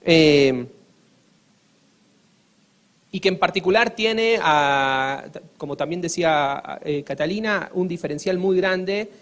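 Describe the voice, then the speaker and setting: A man's voice: on the high side, slow, pauses often, fairly bright tone. A man from Argentina with an Argentine accent, speaking earnestly on a panel, with many hesitations and restarts. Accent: Argentine Spanish. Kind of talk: formal panel talk.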